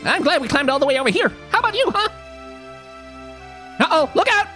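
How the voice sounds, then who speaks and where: A man voicing an excitable young sneak in a fantasy game with frantic, squealing delivery. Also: extremely high pitch, brisk, soft background music, pitched above the performer's own voice, full character voice. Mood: excited.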